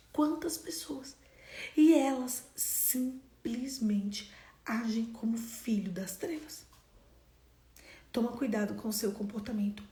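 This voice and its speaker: A woman with a Brazilian Portuguese accent giving an earnest devotional sermon and prayer, often dropping to a soft whisper for emphasis. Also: a little high, echoey room. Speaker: preacher.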